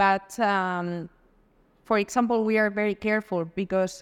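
In a very clean recording with a silent background and a dry, close sound with no echo, a woman with a Spanish accent speaks at a fairly slow pace with fairly even intonation. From Argentina. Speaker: podcaster, journalist. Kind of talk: casual chat.

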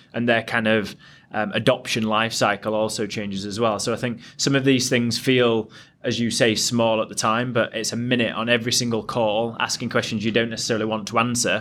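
The speaker has a Yorkshire accent and talks at a fairly quick pace in a monotone, flat intonation. The recording is very clean with a silent background. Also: man, medium pitch for a man. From Yorkshire, northern England. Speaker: business lending bank director. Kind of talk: panel discussion. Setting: office recording at bank headquarters.

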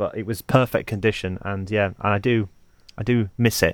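A man with a British accent speaks at medium pitch. His intonation stays fairly even. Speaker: podcast host. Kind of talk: casual interview chat. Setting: remote call.

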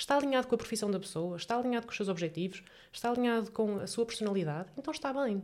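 Speaking at a very fast pace, a woman uses a fairly high pitch with ordinary pitch variation. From Portugal, Porto. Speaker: vocal coach. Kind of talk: casual interview conversation. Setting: studio.

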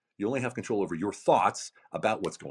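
A man talks in an animated tone. His voice carries vocal fry. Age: 50s. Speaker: motivational speaker and coach. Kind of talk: live audio room talk and Q&A. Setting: online audio room.

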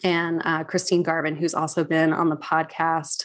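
A woman with a plain, everyday voice speaks at a fairly low pitch and a moderate pace. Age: 40s. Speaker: podcast host and women's energy coach. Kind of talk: casual monologue.

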